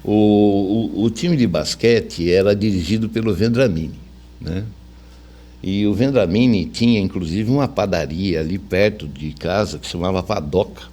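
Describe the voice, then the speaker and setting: A man's voice: low-pitched, moderate pace, mellow. An older man with a Brazilian accent, telling anecdotes casually and colloquially as an interview guest. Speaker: interview guest, veteran radio journalist.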